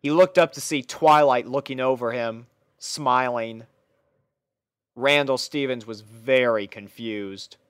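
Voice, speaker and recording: A man's voice: medium pitch, takes it slowly, fairly bright tone, smooth, dry recording. A man narrating a scripted fan fiction story as a reader.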